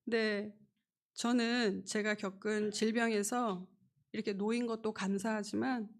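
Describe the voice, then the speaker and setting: A woman's voice: medium pitch, steady tone, measured pace. A middle-aged woman giving a personal healing testimony at church, earnest and acting out her own pleas.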